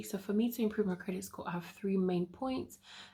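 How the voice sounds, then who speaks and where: Soft-spoken and somewhat breathy, a woman with a British accent talks at a fairly quick pace in a dark, mellow tone, at a medium pitch with fairly even intonation. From UK, Zambian heritage. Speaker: finance vlogger. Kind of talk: casual vlog.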